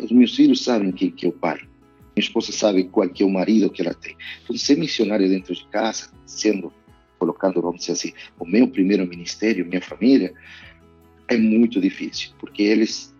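Husky low Argentine man, earnest. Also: mellow, lo-fi sound. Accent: Argentine Spanish. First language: Spanish. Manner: reflective, earnest, hesitant with "eh". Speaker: pastor and missionary. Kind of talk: casual podcast interview.

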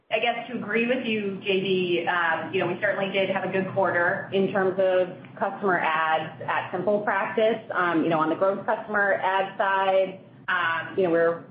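A woman speaking as a company finance executive answering on an earnings call, in a measured, careful corporate manner. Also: mid-range voice. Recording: echoey, tinny conference phone line with noise.

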